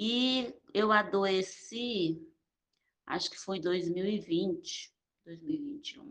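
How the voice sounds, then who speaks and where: A woman speaks very slowly, with lively intonation. She leaves long, frequent pauses. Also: medium pitch for a woman. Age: 60s. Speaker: study group participant. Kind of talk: casual chat.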